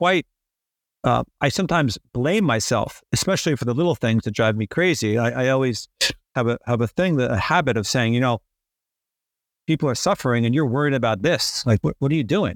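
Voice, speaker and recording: A man speaks at a medium pitch with lively intonation. The sound is dry and close with no echo, on a very clean recording with a silent background. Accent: New Jersey. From US, New Jersey. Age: 60s. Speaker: performance coach and author. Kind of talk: casual interview conversation.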